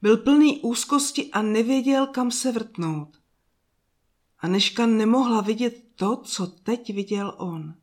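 Woman storyteller, slow soft narration, drawn-out pauses, fairy tale reading. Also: a little high.

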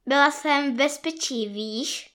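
A woman voicing a small, sweet and eager girl in a storybook tale, exclaiming in a high, breathless childlike way. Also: fairly bright tone. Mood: earnest. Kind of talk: storybook narration.

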